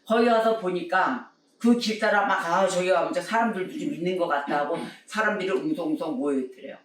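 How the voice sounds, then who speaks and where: A man's voice: a little high, a bit bright, recorded from a distance. A man preaching a sermon, telling a story emphatically and acting out the people in it. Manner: emphatic, acts out quoted speakers. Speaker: pastor. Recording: echoey room, voice from afar.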